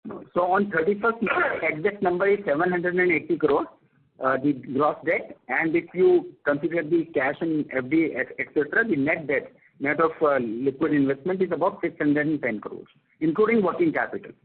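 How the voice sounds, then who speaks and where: A man with an Indian accent, a finance executive, answers analysts' questions on an earnings call, reading out figures haltingly. His voice is a little high, animated and husky. It comes through a tinny, narrowband conference phone line.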